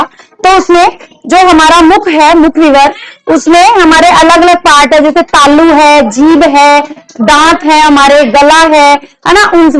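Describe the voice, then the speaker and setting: A woman's voice: very high voice, rough recording. A woman teacher giving a classroom lecture on grammar, explaining step by step, repeating examples and putting questions to her students.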